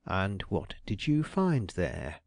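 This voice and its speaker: A man voicing a shrewd, suave older detective who asks his questions slowly and deliberately. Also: deep voice, sing-song, gravelly, darkish tone, no room sound, clean studio sound, full character voice.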